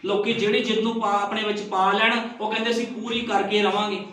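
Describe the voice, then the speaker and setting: A man's voice: high voice, level tone, quick pace, a bit bright. A male pastor preaching a sermon, asking rhetorical questions and driving points home with emphasis. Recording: very echoey room, distant mic, faint noise.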